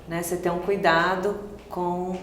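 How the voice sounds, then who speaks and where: Low-voiced woman, hesitant guest. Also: little pitch movement, a little slow, a bit bright, roomy sound, slight background noise. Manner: hesitant, searching for words with many fillers. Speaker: restaurant owner, interview guest. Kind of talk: casual interview answers.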